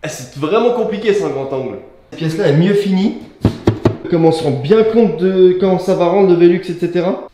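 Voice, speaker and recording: Young man, slightly high voice, casual slangy vlog talk, filming himself with a handheld camera in unfinished attic rooms. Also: fairly quick, over music. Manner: slangy and chatty, laughs often between remarks. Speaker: YouTuber showing his house renovation. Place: unfinished attic rooms of a house under renovation, indoors. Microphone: handheld camera he films himself with.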